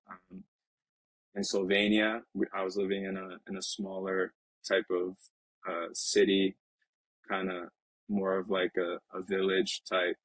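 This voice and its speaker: A man in his twenties, a professional soccer player, talking reflectively in an interview with many halting restarts. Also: low-pitched, slightly rough, no echo, rough recording. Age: 20s. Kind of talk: casual interview talk. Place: Lisbon.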